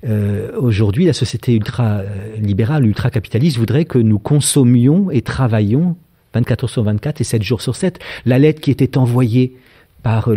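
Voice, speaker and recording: A man's voice: mid-range voice, warm tone. A French man in his fifties giving a public philosophy lecture, thoughtful and full of hesitant filler sounds. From France.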